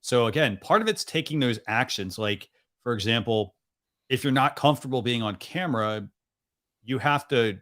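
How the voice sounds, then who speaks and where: Speaking at a moderate pace in a slightly bright, mid-range voice, a young man runs a live stream on a video call. As host he keeps things loose and casual, leaning heavily on "like" and "you know."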